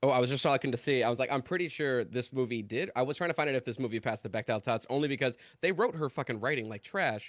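Delivered at a very fast pace with hardly any pauses, the animated voice shows ordinary pitch variation on a very clean recording with a silent background. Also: man, medium pitch for a man. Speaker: podcast guest. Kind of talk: casual chat. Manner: joking, animated.

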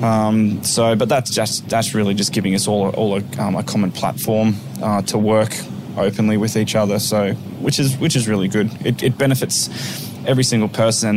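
A man talks fairly quickly with an Australian accent, his pitch fairly low. His loudness stays very even over noticeable background noise. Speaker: brewery business development manager. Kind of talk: casual chat.

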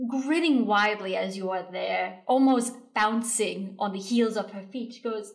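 This is a natural reading voice. It carries ordinary pitch variation.

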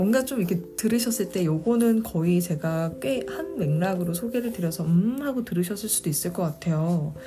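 Over noticeable background noise, a woman talks at a moderate pace with lively intonation and hardly any pauses. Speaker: podcast host reading and discussing a book. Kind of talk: book review, reading aloud with commentary. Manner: talkative, chatty.

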